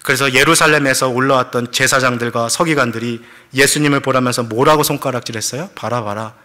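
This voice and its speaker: A man's voice: medium pitch, fairly even intonation, quick pace, bright, forceful tone. A man preaching a sermon as pastor, telling the story with questions to the congregation and English words mixed in. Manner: mixes English words into Korean.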